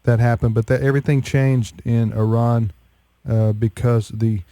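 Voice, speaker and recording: Male radio host, mellow, dry studio sound, chatty. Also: medium pitch, little pitch movement, normal speed, no room sound. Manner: conversational, restarting often. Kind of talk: radio interview.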